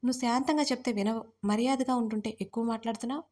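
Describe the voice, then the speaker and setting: A woman voicing an angry young husband in an audio story, speaking in a sharp and threatening way. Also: fairly high pitch, fairly even intonation, racing, lightly acted.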